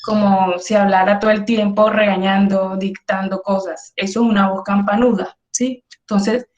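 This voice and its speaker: A woman's voice: medium pitch, level tone, moderate pace, roomy sound, dull audio. A woman teaching an online workshop, speaking with energy and emphasis and often checking in with her listeners. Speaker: workshop instructor.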